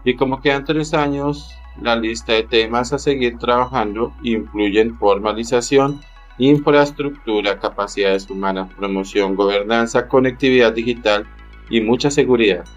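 A man giving an even, formal reading of an opinion column. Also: mid-range voice, normal speed, soft background music. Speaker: column reader.

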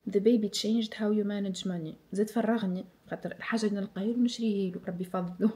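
A woman's voice: mid-range voice, fairly even intonation, fast, dark tone. A young woman with a Tunisian accent, chatting casually and reflectively as a vlogger, switching freely between Arabic, French and English as she answers viewers.

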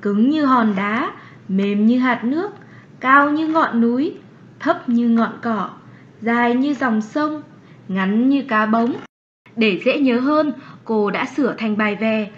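A kind young cartoon schoolteacher, fairly high in pitch. She encourages her pupils in measured phrases, on a slightly dull recording. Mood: instructive. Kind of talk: children's educational cartoon lesson.

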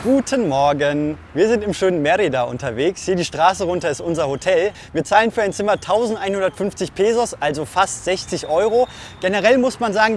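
Fast-talking upbeat man on a travel vlog. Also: high voice, slight background noise. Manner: upbeat, enthusiastic. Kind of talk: casual travel vlog presenting. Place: outdoors on city streets and at ruins. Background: background music.

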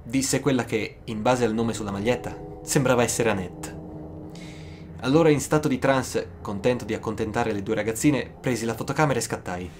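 A man narrating a scripted first-person horror story, with dramatic, suspenseful pauses. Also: mid-range voice, slight background noise. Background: music.

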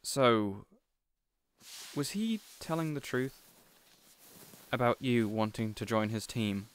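A man's voice: medium pitch, expressive, slow. A man playing a considerate, awkward supervillain boss in an audio roleplay, conversational and a bit hesitant. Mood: businesslike. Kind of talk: audio roleplay drama acting.

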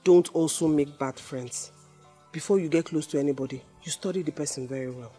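A woman's voice: sits low, a little fast, dark tone, faint music behind, natural voice. An actress with a Nigerian accent playing an emphatic mother in a film drama, given to scolding and reassuring. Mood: gentle, advising. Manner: emphatic, repeats rhetorical questions and tag words.

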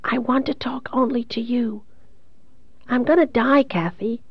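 A woman's voice: high voice, a little slow, vocal fry, dry recording, dull audio, voice pushed up. A woman voicing a dying young woman in an audiobook, childlike, plaintive and despairing, in a thin, faint voice. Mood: weak, secretive.

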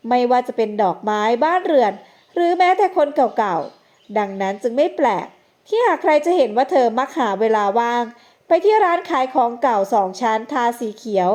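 A woman narrating an audio novel in a measured, expressive reading style. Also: high voice. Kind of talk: scripted narration.

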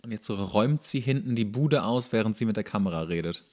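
Lively male podcast co-host, ironic. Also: on the low side, a little fast. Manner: ironic, crude joking. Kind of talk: casual chat, commenting on a TV show while watching.

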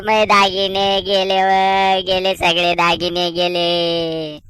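A woman's voice: monotone, takes it slowly, a little hiss or hum. A woman voicing a village woman who has been robbed of her jewels, lamenting and crying. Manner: loud crying lament, shrill. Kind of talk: cartoon voice acting.

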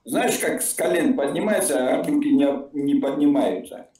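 A man's voice: on the high side, moderate pace, mellow. An older man in a blunt, mocking casual argument over a video call, swearing freely. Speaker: video chat stranger. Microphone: remote video call audio. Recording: distant echoey video call.

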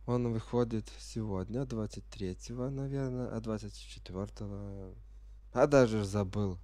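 Sick with a virus, a gamer on camera offers unprepared first-time gameplay commentary in a slow, low, mellow voice with no echo. A non-native speaker, he halts and fumbles for words, reading the game's menu text aloud while puzzling over it.

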